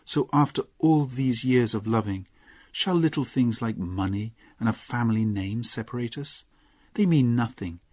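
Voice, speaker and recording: Storybook reading: male narrator doing a pleading young lady, husky and dry-sounding. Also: mid-range voice, moderate pace, darkish tone, no room sound, pitched above the performer's own voice, lightly acted. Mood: earnest. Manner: pleading, emotional. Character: young noble lady, loving and earnest.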